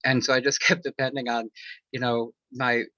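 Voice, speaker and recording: Bright-voiced man, rambling and candid. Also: mid-range voice, level tone, moderate pace, dry recording. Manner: rambling, many fillers and restarts; candid, personal. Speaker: author and interview guest. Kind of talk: casual interview answer. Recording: dull lo-fi, dry sound.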